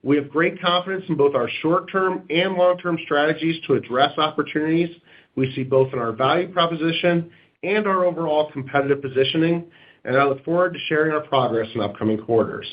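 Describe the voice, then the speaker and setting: A man speaking as a company executive on an earnings call, in measured corporate phrasing. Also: a little high. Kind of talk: prepared remarks and corporate question answering. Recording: dull, lo-fi conference call audio.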